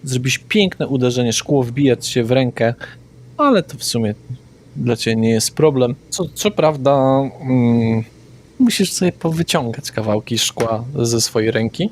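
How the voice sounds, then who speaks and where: A man running a tabletop vampire game as game master, narrating in a relaxed way with frequent hesitations. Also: medium pitch, measured pace.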